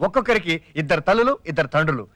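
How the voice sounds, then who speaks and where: A man's voice: a little high, expressive, fairly bright tone, no echo. An actor playing a young father who pleads and jokes as he talks his friend into a scheme, in a comic film. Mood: fast pleading. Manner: fast, pleading and joking.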